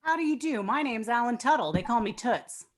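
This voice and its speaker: A woman's voice: on the high side, lively intonation, fairly quick. A woman playing a polite, hesitant, sincere teenage boy in a dramatic table read. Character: earnest, shy, polite teenage boy suitor.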